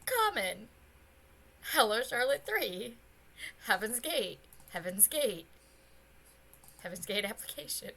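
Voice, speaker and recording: A young adult woman streaming a game, talking casually and rambling, her voice still slightly hoarse and not fully recovered, with bursts of excited squealing. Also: medium pitch. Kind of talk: casual let's-play chat. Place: home streaming setup.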